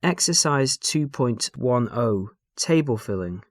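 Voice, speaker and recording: Brief: unhurried exercise announcer, bone-dry read. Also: mid-range voice, no echo. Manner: slow, flat announcing. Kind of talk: scripted announcement.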